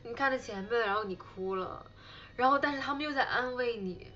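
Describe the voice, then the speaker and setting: Young woman, livestream host, casual rambling chat, giggly, high bright voice, muffled phone audio. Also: a little fast. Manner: rambling, many fillers, thanks viewers for gifts; bursts into giggles while retelling.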